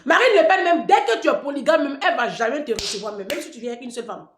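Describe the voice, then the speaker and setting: Woman vlogger, provocative taunting rant, bright-ish voice, roomy echo. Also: fairly high pitch, expressive, very fast. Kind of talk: mocking monologue to camera. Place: room in France. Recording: echoey room.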